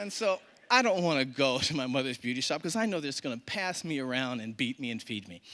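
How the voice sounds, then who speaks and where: The speech is very fast, with lively intonation and a tone both warm and bright, sharp. The recording is very clean, with a silent background. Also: man, fairly high pitch for a man. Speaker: performer reading a personal essay at a live show. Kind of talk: live personal storytelling reading. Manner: conversational, humorous, warm storytelling.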